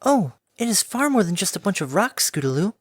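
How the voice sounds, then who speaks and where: A man reading an audiobook, voicing a gentle, soft-spoken female pegasus pony in a sweet, breathy way. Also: high-pitched, sing-song, fairly quick, no room sound, clean studio sound, voice pushed up. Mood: gentle somber.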